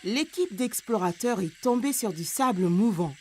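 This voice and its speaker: A woman's voice: mid-range voice, lively intonation, moderate pace. A woman narrator reading a scripted French children's cartoon story, with music behind her.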